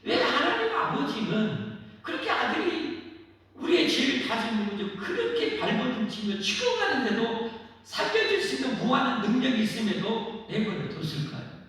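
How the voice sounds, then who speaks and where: A man pastor giving a sermon, acting out quoted voices with big swings between loud and soft. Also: very high-pitched, huge pitch swings, moderate pace. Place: church sanctuary. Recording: echoey church hall, voice from far off.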